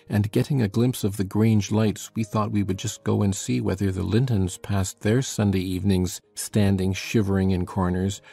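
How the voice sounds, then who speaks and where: A man playing a rebellious, scornful orphan boy telling his tale in a dramatized audiobook, with a husky voice. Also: deep voice, warm tone. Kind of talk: dramatized audiobook character reading.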